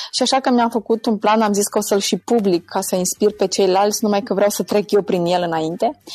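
With a dry, close sound with no echo, a woman speaks fairly quickly at a medium pitch, with hardly any pauses, very even loudness and fairly even intonation. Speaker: vegan chef and food blogger. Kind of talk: casual interview.

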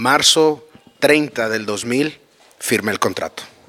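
The pace here is very slow. A man talks with ordinary pitch variation. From Los Angeles area, US (born in Guadalajara). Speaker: US army veteran. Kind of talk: live storytelling. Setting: stage with audience.

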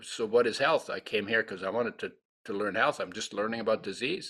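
A man's bright, sharp voice at a fairly quick pace on a very clean recording with a silent background. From Germany (born Poland, refugee). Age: 80s+. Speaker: health author and speaker. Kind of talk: casual interview chat.

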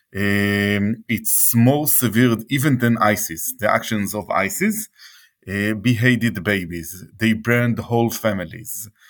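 A man speaks with an Israeli accent. He goes at a fairly slow pace. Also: fairly low pitch for a man, ordinary pitch variation, very clean recording, silent background. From Jerusalem, Israel. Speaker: ambassador. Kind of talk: interview.

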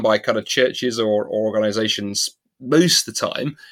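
A man with an unremarkable speaking voice talks at a medium pitch and a fairly quick pace. The recording is very clean, with a silent background. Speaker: podcast co-host. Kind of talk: casual interview chat.

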